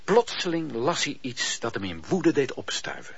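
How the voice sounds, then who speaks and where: A man narrating a historical radio drama in a measured, wry, literary storytelling manner. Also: mid-range voice, big pitch swings, gravelly, a bit bright, breathy edge, dry recording, exaggerated voice. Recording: muffled lo-fi radio drama recording.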